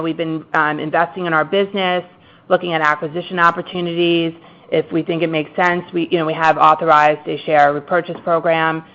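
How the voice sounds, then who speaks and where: A woman with a very low, gravelly voice answers in a flat tone, filling her sentences with hesitant fillers. The audio is muffled and dull, like a conference call. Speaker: company executive.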